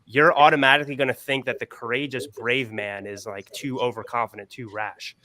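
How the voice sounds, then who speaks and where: A man with a bright, ringing voice talks through his ideas on a casual podcast panel. He lays out his points at length and keeps tossing in "right?" to check the others are with him. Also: mid-range voice, steady tone, fairly quick, a little hiss or hum.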